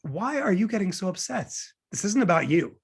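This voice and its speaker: Casting: man playing neurotic, defensive wisecracker, gravelly voice, lively swings in pitch, table-read comedy. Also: fairly quick, full character voice. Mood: breezy, defensive. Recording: remote video-call table read.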